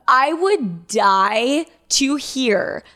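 A woman's voice: sits high, lively intonation, drawn-out words, pushed and bright. A young adult woman with an American Valley girl accent and drawl, hosting a casual advice show in a blunt, sweary, unfiltered way with lots of filler "like". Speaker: podcast host giving listener advice.

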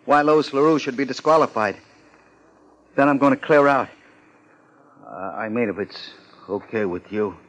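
An actor playing a nervous small-time swindler in a 1950s radio drama, with plain, slangy talk. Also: male voice, medium pitch, moderate pace, long pauses, lightly acted, poor audio. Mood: uneasy, confessing.

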